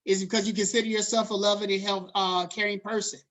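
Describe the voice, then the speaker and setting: A man's voice: sits high, little pitch movement, quick pace, fairly bright tone. A middle-aged man giving a classroom lecture in a conversational way, slipping into casual slang. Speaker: college lecturer.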